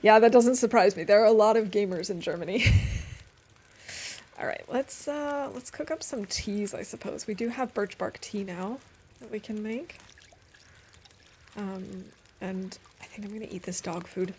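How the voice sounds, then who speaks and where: A woman's voice: mid-range voice, measured pace, darkish tone, a little hiss or hum. A woman streaming a game, chatting casually and thinking aloud with frequent fillers. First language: English. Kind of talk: casual gaming stream chat.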